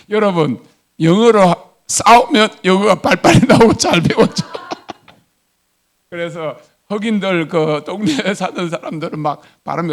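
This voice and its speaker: A middle-aged man, a pastor with a Gyeongsang Korean accent, preaching a sermon as an animated story and acting out what people said, chuckling as he goes. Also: fairly high pitch.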